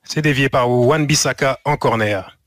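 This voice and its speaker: A man calling a football match play by play as live commentary over loud stadium noise. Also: medium pitch, moderate pace, no echo, clean studio sound.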